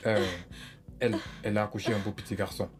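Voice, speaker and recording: A very deep calm doctor. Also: female voice, fast, loud music behind the voice. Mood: reassuring. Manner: calm, reassuring. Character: reassuring hospital doctor.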